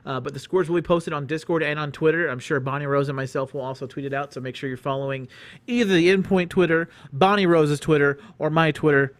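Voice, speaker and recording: A man with a somewhat high voice casts an esports qualifier, reading placements and then rambling through recaps. He jokes, restarts his sentences and keeps things loose and chatty. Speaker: esports caster. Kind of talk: casual esports commentary.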